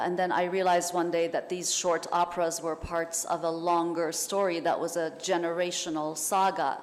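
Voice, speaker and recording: A woman whose first language is Persian, a writer speaking as a panel guest in a thoughtful, measured way. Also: lowish voice. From Iran. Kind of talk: festival panel talk. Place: hall at a literature festival. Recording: hall reverb, faint noise.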